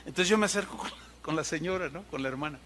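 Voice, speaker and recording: A middle-aged pastor preaching a sermon, telling stories and imitating sounds and voices for humor. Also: male voice, fairly high pitch, fast, a bit bright, slight background noise. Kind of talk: sermon with storytelling.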